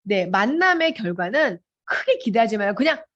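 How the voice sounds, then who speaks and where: A woman giving a seminar talk to an audience. She talks in an animated way and acts out little dialogues in changing voices. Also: on the high side, moderate pace, highs cut off. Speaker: motivational speaker.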